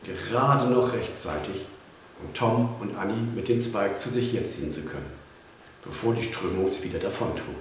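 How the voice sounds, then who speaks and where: A man narrating a children's storybook in a calm, measured reading, in an echoey room with faint hiss. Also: on the low side.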